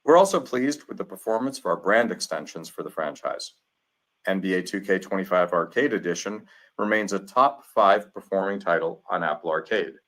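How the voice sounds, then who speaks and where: A man speaking as a company executive, reading a scripted earnings presentation in a formal, measured manner. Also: low-pitched, expressive, fairly bright tone. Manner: formal, measured prepared delivery.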